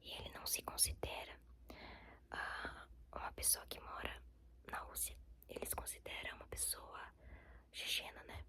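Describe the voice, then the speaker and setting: A young Brazilian ASMR creator with a Brazilian Portuguese accent whispers a rambling chat to her viewers, full of fillers. Her voice is bright and forceful, at a moderate pace with frequent pauses.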